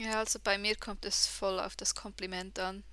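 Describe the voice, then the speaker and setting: A woman speaks at a moderate pace in a medium pitch, her tone bright and sharp and her intonation fairly even. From Switzerland. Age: 30s. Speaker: podcast host. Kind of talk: casual chat.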